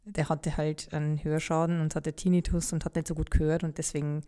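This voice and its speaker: A young woman with a light Bavarian accent speaks in a low, warm, relaxed voice. She tells her own story candidly and reflectively on a podcast, often pausing with fillers and starting her sentences over. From Upper Palatinate, Bavaria. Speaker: podcast host.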